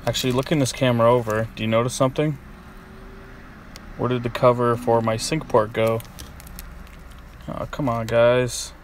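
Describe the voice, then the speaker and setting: A man's voice: medium pitch, little pitch movement, moderate pace, pauses often, a little hiss or hum. Chatty man vlogging on a cell phone. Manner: chatty and offhand, with mild grumbling. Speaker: camera vlogger. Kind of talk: casual vlog chat. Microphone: handheld cell phone recording.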